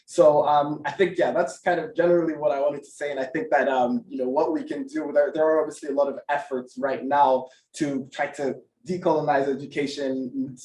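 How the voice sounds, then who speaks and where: A man's voice: on the high side, flat delivery, a little fast, few pauses, darkish tone. A man giving the closing remarks of a seminar talk in a hesitant way, with many fillers. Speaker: seminar speaker. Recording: roomy distant mic with faint noise.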